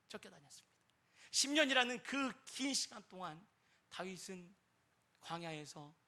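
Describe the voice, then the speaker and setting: Bright, emphatic man preaching a sermon. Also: high-pitched. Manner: rhetorical questions, swings between loud emphasis and quiet asides. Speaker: pastor.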